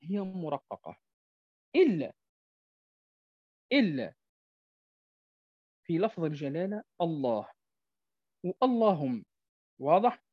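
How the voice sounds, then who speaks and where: A man teaching a tajweed lesson. He draws example words out slowly and keeps checking that his listeners follow. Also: fairly high pitch, very animated, no echo. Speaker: Quran recitation teacher. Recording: dull, dry lo-fi recording.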